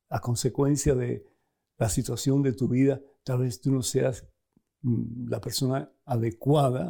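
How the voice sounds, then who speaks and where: A middle-aged man, a priest hosting a program, preaching and answering viewer questions in an animated way, chuckling between points. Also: gravelly, slightly rough. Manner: animated, acts out scripture quotes with sudden pitch jumps.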